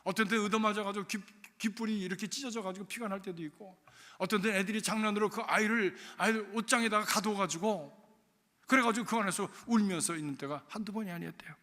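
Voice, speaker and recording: Male pastor, storytelling sermon; high and bright-toned, with emotive swings in loudness, in a reverberant church. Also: quick pace. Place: church sanctuary.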